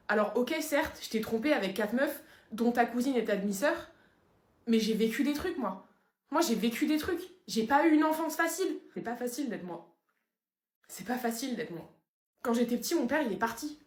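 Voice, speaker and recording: A whiny, self-pitying young cheater, as a woman acts him out in a comedy sketch, fairly high and muttering excuses. The sound is roomy and echoey. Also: animated, normal speed, natural voice.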